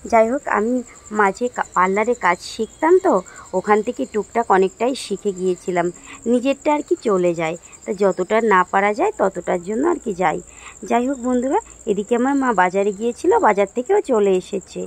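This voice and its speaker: A hoarse woman chatting casually to her viewers as friends while vlogging her day at home. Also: mid-range voice, animated, fairly quick. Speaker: daily-life vlogger. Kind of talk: casual chat to camera. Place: at home, sitting under a ceiling fan.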